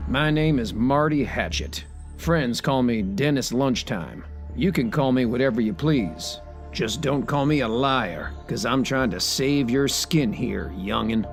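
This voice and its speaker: A self-important, paranoid old-fashioned crank, gravelly and folksy. He delivers a conspiratorial sketch comedy monologue over light music. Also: mid-range voice, lively intonation, a little slow. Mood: gruff, conspiratorial. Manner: emphatic, conspiratorial.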